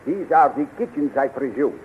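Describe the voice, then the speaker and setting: An actor playing an earnest, loyal scientist hero held prisoner in a 1930s radio serial, speaking in a theatrical, deliberate way. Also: male voice, mid-range voice, animated, close to an everyday voice. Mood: dryly curious. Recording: muffled, noisy 1930s radio recording.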